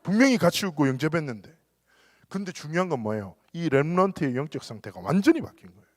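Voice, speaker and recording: A man's voice: fairly high pitch, quick pace, no room sound. Male pastor preaching, bouncy voice that swings all over, dry close sound, joking storyteller. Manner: animated storytelling with humor and acted quotes. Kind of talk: sermon. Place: church.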